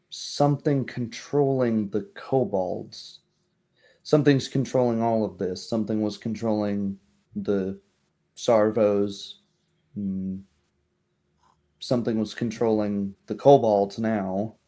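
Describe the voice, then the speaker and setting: A man's voice: lowish voice, mellow. A man voicing a bookish woman, a helpful retired adventurer and herbalist in a tabletop game, hesitant and thinking aloud. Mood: musing, unsure.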